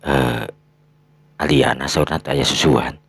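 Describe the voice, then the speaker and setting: He is a meek, poor young village husband acted by a male narrator of an audio story. The Sundanese-accented voice is very deep, quiet and hesitant, always deferential, in a dry recording. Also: steady tone, unhurried, vocal fry, slightly rough, dry recording, full character voice. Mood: polite, hesitant. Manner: hesitant, soft-spoken, deferential.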